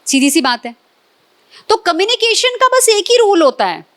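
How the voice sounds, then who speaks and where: A middle-aged Indian woman running an etiquette workshop, lively and coaxing the audience with questions. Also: extremely high pitch, moderate pace. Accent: Indian Hindi. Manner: animated, quizzes and coaxes the audience. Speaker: etiquette trainer. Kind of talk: live classroom workshop.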